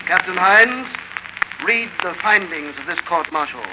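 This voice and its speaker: An actor playing a stern army general presiding over a court-martial, in 1930s radio drama acting. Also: male voice, sits high, expressive, a little slow. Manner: stern, commanding. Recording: hissy 1930s radio broadcast recording.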